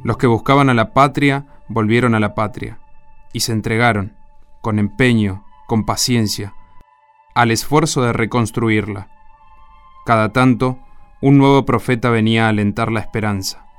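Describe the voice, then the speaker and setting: An actor narrating a scripted radio drama of a desert exodus as a solemn storyteller, measured and poetic. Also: male voice, lowish voice, fairly even intonation, clear, resonant tone, dry recording, natural voice. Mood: lyrical. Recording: music under the voice.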